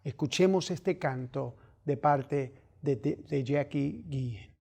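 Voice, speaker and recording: A man hosting a Christian TV talk show, asking questions slowly and gently, with some hesitation. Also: medium pitch, creaky, noisy background. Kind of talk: Christian TV interview.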